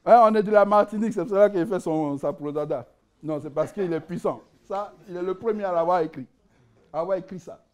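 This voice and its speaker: Guy with a pretty high voice giving a talk at a conference, jokey, laughs a lot, keeps restarting his sentences. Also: fairly quick. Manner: animated, jokes, laughs at own asides; restarts and repeats words while searching for phrasing. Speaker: conference speaker presenting his book. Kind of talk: lecture.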